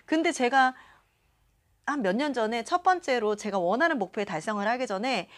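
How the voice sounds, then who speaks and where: Young woman chatting into her phone, kinda high voice, bouncy, acts out quotes, lots of little filler yeses. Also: expressive, brisk. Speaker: channel host reading and commenting on a self-help book. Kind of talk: casual talk to camera.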